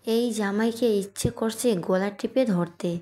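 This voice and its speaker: A woman's voice: fairly high pitch, normal speed, mellow, lightly acted. A woman voicing a feisty, mischievous young bride who is stubborn and cheeky, in an audio story reading. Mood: scheming. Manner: sulky and cheeky.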